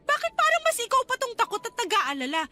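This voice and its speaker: A hurt, indignant college girlfriend in a radio drama. Her voice is very high and bright, and she confronts with raw emotion. Music plays behind her. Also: very animated, fast, exaggerated voice. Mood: angry, distressed. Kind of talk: Tagalog radio drama acting.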